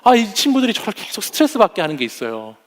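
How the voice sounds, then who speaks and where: A man in his forties preaches a sermon with a high-pitched voice. He mixes in humorous stories about his family and briefly mimics the voices of the people in them. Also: huge pitch swings, very fast. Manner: warm storytelling with humorous anecdotes; acts out family members' voices. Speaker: pastor.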